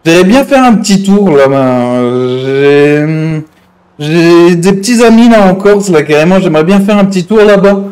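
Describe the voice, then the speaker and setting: A man's voice: high-pitched, expressive, normal speed, darkish tone. A man playing an aggrieved, crude, threatening hostage-taker out for revenge in an improvised online game roleplay, swearing and repeating his verbal tics. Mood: menacing. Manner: verbal tic-laden, crude, ranting, swearing.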